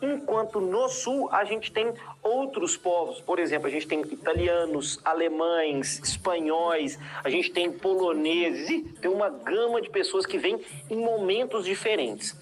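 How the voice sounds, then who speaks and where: A woman's voice: lowish voice, expressive, unhurried, few pauses. A woman with a Brazilian Portuguese accent teaching a history lesson, explaining patiently and checking in with her students often. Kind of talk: recorded classroom lesson.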